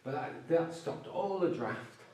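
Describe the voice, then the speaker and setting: A man's voice: on the high side, lively intonation, measured pace, a little mellow. An older man with a Liverpool accent mixed with South Manchester, chatting casually and rambling with plenty of ums. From England, born in Liverpool, grew up in Cheshire. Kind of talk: casual chat. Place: large old house, indoors. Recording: very echoey room, far from mic.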